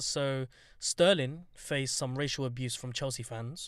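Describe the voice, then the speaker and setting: A fairly slow London accent on a very clean recording with a silent background. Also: man. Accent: London (MLE). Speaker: podcast host. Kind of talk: casual chat. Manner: says um a lot, stutters.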